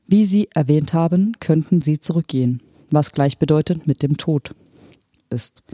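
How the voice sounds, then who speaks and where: A reader voicing an unfeeling hologram official who speaks in a calm, matter-of-fact, bureaucratic manner. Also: mid-range voice, moderate pace, no room sound, clean studio sound, close to an everyday voice. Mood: detached. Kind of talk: audiobook character voice.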